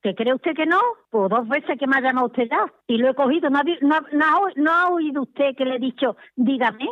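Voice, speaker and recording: A woman's voice: high voice, brisk, no echo. An older woman on a phone call, exasperated and insistent, repeating herself. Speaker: prank call target. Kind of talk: phone conversation. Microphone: telephone. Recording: tinny phone line.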